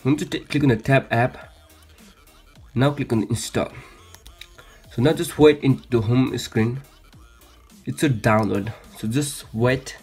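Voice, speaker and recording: Male tech tutorial host, mid-range voice, casual and halting delivery, faint music underneath. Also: medium pitch, a little mellow, husky. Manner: hesitant, repetitive phrasing with frequent stumbles. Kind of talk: casual how-to screen demonstration. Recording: music behind, some background noise.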